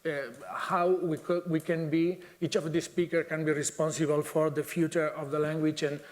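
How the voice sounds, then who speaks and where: A man's voice: a little high, little pitch movement, moderate pace. Hesitant man. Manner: hesitant, many fillers and restarts. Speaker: symposium speaker. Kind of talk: conference talk.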